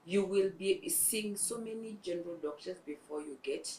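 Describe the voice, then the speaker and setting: A woman's voice: on the low side, moderate pace, warm tone, slightly rough, rough recording. A woman ENT surgeon, explaining throat health in a TV interview with examples. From Kenya.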